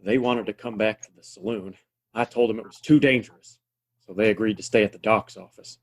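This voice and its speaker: A man playing a gruff, plain-spoken frontier man in a western audio play, with steady, folksy phrasing. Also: on the low side, a little fast, close to an everyday voice. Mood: matter-of-fact.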